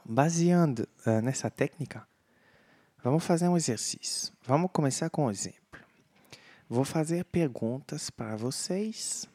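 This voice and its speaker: A man with a Brazilian Portuguese accent, teaching a French lesson and slowly modeling each phrase clearly. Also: medium pitch, a little mellow. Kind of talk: language lesson.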